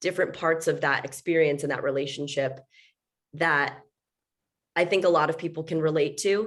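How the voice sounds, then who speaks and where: A woman's fairly low-pitched, American-accented delivery in a normal speaking voice, with fairly even intonation at a moderate pace. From US East Coast (New Jersey). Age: 30s. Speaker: yoga teacher and author. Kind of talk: podcast interview.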